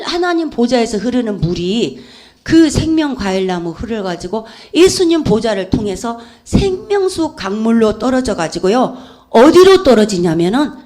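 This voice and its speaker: A woman preacher delivers a heartfelt church testimony. She moves between fervent, loud exhortation and quiet, intimate storytelling. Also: on the high side. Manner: fervent, swings from loud urging to hushed storytelling. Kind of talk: emotional church testimony sermon.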